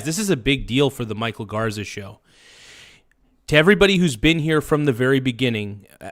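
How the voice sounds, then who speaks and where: A man's voice: medium pitch, a bit bright. Chatty man hosting a livestream. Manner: chatty, rambling, thankful to viewers. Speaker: livestream host. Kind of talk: casual livestream commentary.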